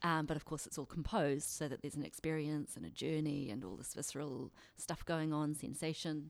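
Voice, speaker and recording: Hardly pausing at all, a woman with a New Zealand accent talks at a fairly quick pace with a very deep, low pitch on a very clean recording with a silent background. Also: ordinary pitch variation. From New Zealand, Auckland. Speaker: writer. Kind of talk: casual conversation.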